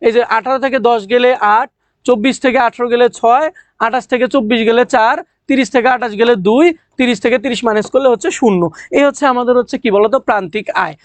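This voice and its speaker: A young man from Bangladesh teaching an economics class, talking fast, repeating key points and quizzing students as he works through the numbers. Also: very high-pitched, steady tone, no room sound. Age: young adult. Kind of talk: online class lecture.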